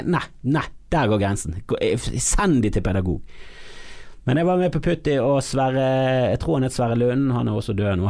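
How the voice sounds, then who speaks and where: A comedian from Bergen with a Bergen accent, ranting in a podcast monologue, swinging from loud mock-outrage outbursts to low mutters. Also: male voice. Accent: Bergen Norwegian. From Bergen, Norway.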